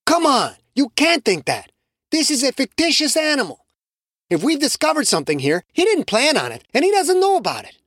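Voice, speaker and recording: A man's voice: very high-pitched, huge pitch swings, fairly quick, fairly bright tone, no room sound, voice pushed up, full character voice. A narrator voicing a tense young male student who insists on reason and snaps when frustrated, in a dry, close recording. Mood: insistent.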